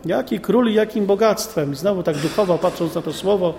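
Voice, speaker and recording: A man preaching to a group of men, reading scripture and commenting on it in a lively, colloquial way with many rhetorical questions. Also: high voice, fairly quick, vocal fry, slight background noise. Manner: lively, colloquial asides, frequent rhetorical "nie?". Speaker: preacher addressing a men's group. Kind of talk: sermon with Bible reading and commentary. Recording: long hall reverb.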